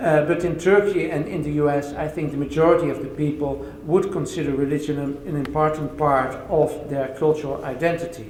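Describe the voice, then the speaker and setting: Fairly quick speech with hardly any pauses and fairly even intonation, against noticeable background noise. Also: man, fairly high pitch for a man. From Netherlands. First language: Dutch. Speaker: theology professor. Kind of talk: keynote speech. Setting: dinner event with audience. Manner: some hesitations and fillers.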